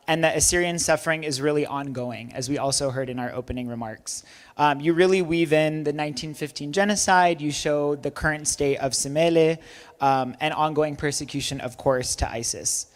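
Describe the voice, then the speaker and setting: Higher-voiced male event host. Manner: formal, measured reading. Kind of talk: reading a prepared introduction, then interviewing.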